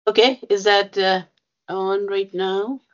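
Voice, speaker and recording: A woman's voice: medium pitch, steady tone, slow, lo-fi sound. A woman presenting slides to a bargaining meeting over a video call, hesitant with many fillers. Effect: heard over a video call. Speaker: union bargaining representative.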